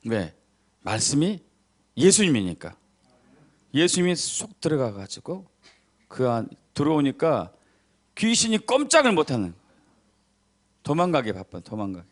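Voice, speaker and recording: With huge pitch swings, a measured pace, and frequent pauses, a middle-aged male pastor preaches. He repeats important words in a low voice for emphasis and performs the voices of people in his stories.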